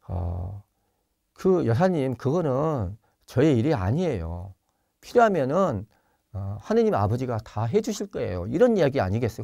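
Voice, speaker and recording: A man from Jeolla, a Jesuit priest giving an online spiritual lecture over a video call, explaining gently with many pauses and fillers and acting out quoted lines. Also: mid-range voice, creaky, no room sound, studio quality. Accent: Jeolla Korean. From Jeolla, Korea.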